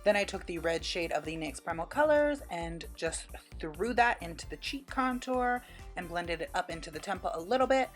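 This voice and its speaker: A woman narrating a makeup tutorial in a casual, chatty voice-over, informal and playfully quirky. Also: lowish voice.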